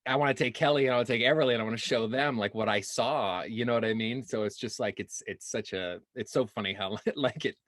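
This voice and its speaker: A man's voice: medium pitch, fast, hardly any pauses, fairly bright tone, no room sound. A man in his thirties from Hawaii, a guest actor chatting casually in an interview, rambling with many restarts and fillers. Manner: acts out quoted voices.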